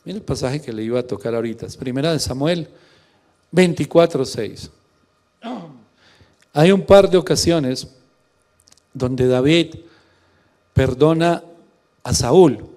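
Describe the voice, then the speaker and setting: Pastor preaching with swelling emphasis. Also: male voice, mid-range voice, unhurried, long pauses. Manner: impassioned preaching, swinging between hushed and emphatic. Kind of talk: sermon.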